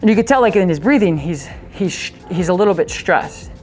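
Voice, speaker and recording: A woman's voice: lowish voice, animated, fairly quick, a little mellow, soft background music. A woman working as a dog trainer, coaching owners in a casual, chatty way and breaking off to give the dog short, upbeat commands.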